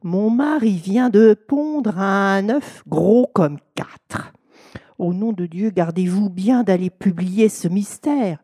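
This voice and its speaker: A woman's voice: medium pitch, expressive, slow pace, mellow, no room sound, studio quality. A woman voicing a naive, indiscreet wife in a fable who urgently shares a secret with her neighbor.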